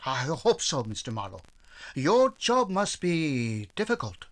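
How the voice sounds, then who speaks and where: A man playing an obliging restaurant owner in an old radio drama. The voice is high and very lively in pitch, with polite, halting, formal phrasing. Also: full character voice. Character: courteous, obliging male Chinese restaurant owner. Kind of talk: 1940s radio drama acting.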